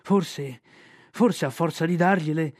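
A man's voice: fairly high pitch, takes it slowly, dry recording, studio quality. A man voicing a clumsy old bear who pants and laments. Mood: anguished lament. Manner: panting, lamenting.

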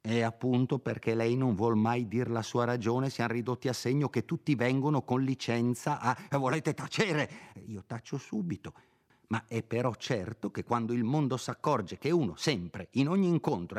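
A man's voice: mid-range voice, pitched above the performer's own voice, lightly acted. A man voicing a fussy, scolding middle-aged housekeeper woman in a read-aloud novel, pleading and chiding by turns.

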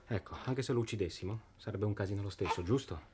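An actor playing a shaken manager from Emilia, turning furious and then quietly probing. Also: male voice, fairly low pitch, quick pace, close to an everyday voice. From Emilia, northern Italy. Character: rattled middle-aged manager on a hunt gone wrong. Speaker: client manager. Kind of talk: short film acting. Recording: noisy location recording.

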